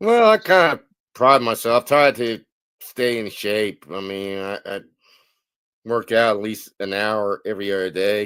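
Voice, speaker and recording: A man with an unremarkable speaking voice talks fairly slowly at a fairly low pitch, with ordinary pitch variation and big swings in loudness, on a very clean recording with a silent background. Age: 60s. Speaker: pro wrestler and manager. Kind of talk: casual chat.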